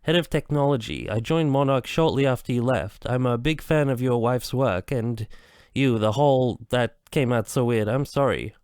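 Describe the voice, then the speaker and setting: A man's voice: medium pitch, normal speed, darkish tone, clear, resonant tone, no echo, clean studio sound, close to an everyday voice. A man reading as a nervous stammering tech guy. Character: nervous young bearded male tech head.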